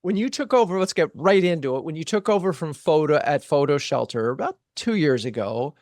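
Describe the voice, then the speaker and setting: A middle-aged man with a Californian American accent, hosting an interview in a chatty, expressive, conversational way. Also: on the high side, fairly quick, no room sound, studio quality. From California, United States. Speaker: podcast host.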